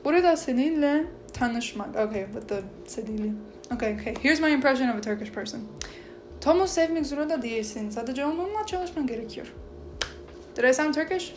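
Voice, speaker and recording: A chatty young woman in her twenties talks straight to the camera from her living room, her voice sitting a little high. She is animated and excitable, with lots of filler words. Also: a little fast, slight background noise. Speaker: language-learning vlogger. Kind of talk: casual chat to camera.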